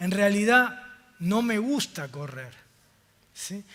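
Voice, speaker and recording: Through noticeable background noise, a man with a high pitch speaks very slowly with lively intonation. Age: 60s. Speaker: pastor. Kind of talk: sermon.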